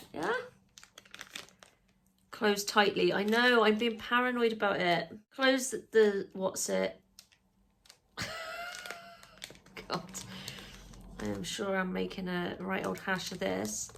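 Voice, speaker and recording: A woman, chatting casually in a home vlog, then guiding a slow, soft EFT tapping session. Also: medium pitch, vocal fry, slight background noise. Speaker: vlogger and EFT practitioner.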